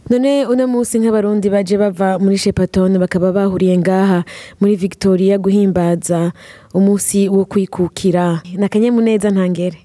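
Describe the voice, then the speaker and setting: A woman presenting a radio report in scripted narration, measured and informative. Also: medium pitch, steady tone, warm tone, no room sound. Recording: dry studio sound.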